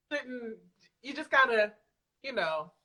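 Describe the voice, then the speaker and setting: A woman's voice: fairly high pitch, lively intonation, takes it slowly, pushed and bright. An American woman speaking as a podcast guest in a casual, informal, conversational way. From Alexandria, Virginia, United States. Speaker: podcast guest, audio drama creator. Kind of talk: casual chat.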